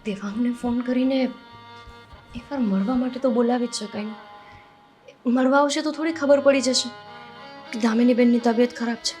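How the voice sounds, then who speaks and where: An actress voicing a caring, anxious sister-in-law who coaxes and pleads. Her voice is high. Soft music runs underneath. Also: steady tone, moderate pace, pauses often, lightly acted. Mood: coaxing. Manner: pleading, coaxing. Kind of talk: family drama acting.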